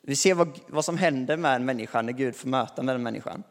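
A man preaching a sermon in a relaxed, conversational way with light chuckles, recorded in a church hall. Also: mid-range voice. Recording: long hall reverb.

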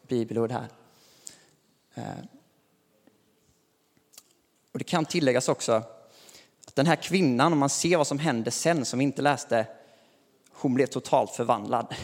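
A man preaching a sermon, earnest and lively, raising his voice as he calls out scripture. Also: medium pitch. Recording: long hall reverb.

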